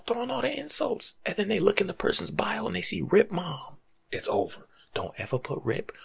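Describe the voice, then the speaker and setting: A young American man giving casual, slangy life-coach advice in an ASMR monologue, breathy and often dropping to a whisper. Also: sits high, fairly bright tone. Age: young adult. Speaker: ASMR video creator. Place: small room at home, indoors.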